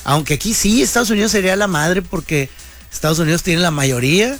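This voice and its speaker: A man's voice: high voice, fast talker, fairly bright tone, soft background music. A man, hosting a radio show in a joking, slangy monologue. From Mexico. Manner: joking, slangy, playful banter. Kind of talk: casual comedic radio monologue.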